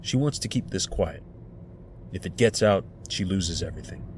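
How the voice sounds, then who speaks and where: A man playing a steady, protective secret agent in an audio drama, talking earnestly and reassuringly. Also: low-pitched, normal speed, a little hiss or hum. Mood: reassuring, resolute.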